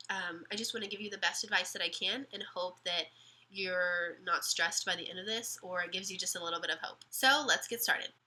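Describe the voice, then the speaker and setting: A young woman vlogging casual advice, sick and slightly raspy, chatty with lots of ums and restarts. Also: lowish voice, steady tone, brisk, sharp tone, a little hiss or hum.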